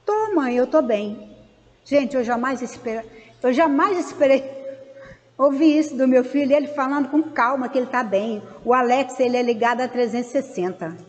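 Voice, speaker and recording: An older woman giving a personal testimony at a spiritist meeting, telling her story with lively reenacted dialogue. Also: high-pitched, a little fast, dull audio. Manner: animated storyteller who acts out remembered dialogue. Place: meeting hall of a spiritist center. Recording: long hall reverb.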